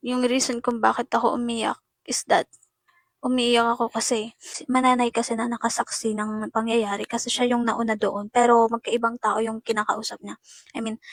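A woman speaks straight to her viewers about an ordeal in an emotional first-person account, her voice sitting a little high. She talks in uneven bursts and keeps calling them guys. The sound is dry and close, with no room around it. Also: no room sound. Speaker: netizen recounting an incident.

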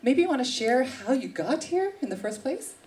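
A woman's voice: sits high, very animated, normal speed, darkish tone, recorded from a distance. A young woman hosting a live radio show, upbeat and reading intros. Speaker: radio host. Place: radio studio stage with audience. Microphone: handheld mic.

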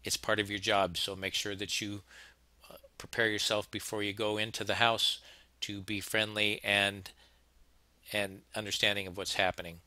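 Talking casually over slides, this male HVAC trainer keeps restarting and repeating himself in plain, conversational language. He has a fairly low voice with little pitch movement, a normal pace, and a bright, forceful tone, captured in a dry recording.

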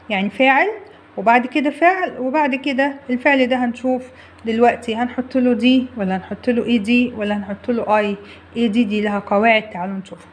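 A young adult woman with an Egyptian Arabic accent teaches English grammar online, walking through it step by step and slowly repeating key words. Her voice is on the high side.

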